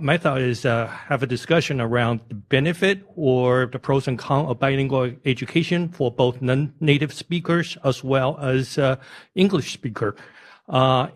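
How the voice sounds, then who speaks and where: Male caller, halting and hesitant, mid-pitch voice. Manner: halting, with many uh fillers. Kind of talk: pitching an idea on live radio.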